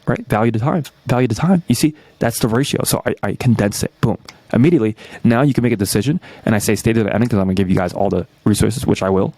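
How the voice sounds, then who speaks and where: A man in his twenties from New York, breaking down marketing tactics as a coach, energetic and full of rhetorical questions, tagging "right?" onto nearly every point. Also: medium pitch, no echo. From New York, USA. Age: 20s. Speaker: YouTube business coach.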